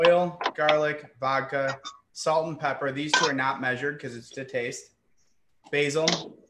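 Noticeable background noise sits under a man's voice. He speaks at a fairly slow pace in a flat monotone. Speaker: chef instructor. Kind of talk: tutorial. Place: kitchen. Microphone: video call.

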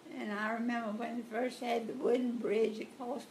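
A woman with a coastal North Carolina accent, high in pitch, at a moderate pace with ordinary pitch variation, over noticeable background noise. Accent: coastal North Carolina Southern. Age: 80s+. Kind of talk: oral history interview answer.

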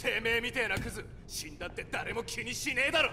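In a growling, put-on character voice, a man talks at an extremely high pitch and a fairly quick pace. Clear background noise can be heard. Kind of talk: rough, vulgar. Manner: threatening, snarling.

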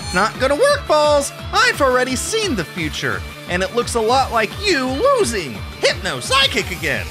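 A put-on character voice at a moderate pace over loud music in the background. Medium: dub. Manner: boastful, taunting.

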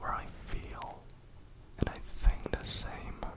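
A man is whispering. He goes at a very slow pace. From British. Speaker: ASMR creator. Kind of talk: ASMR talk to listener. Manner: whispered. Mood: gentle, encouraging. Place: home room. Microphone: studio mic.

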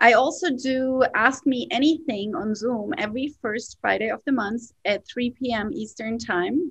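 A woman's high voice with a German accent, fairly slow in pace, with ordinary pitch variation against a quiet background. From Germany. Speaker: real estate agent; podcast guest. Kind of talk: interview. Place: home room. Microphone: video call.

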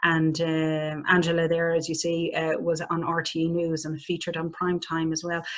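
A woman's fairly low-pitched voice with an Irish accent. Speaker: librarian. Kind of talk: online seminar talk. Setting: online seminar. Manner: fast.

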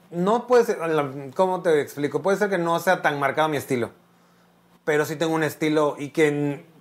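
Pitched high, the man's voice comes at a fairly quick pace. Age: 30s. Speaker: hair stylist; podcast guest. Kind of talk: casual chat. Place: studio. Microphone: lapel.

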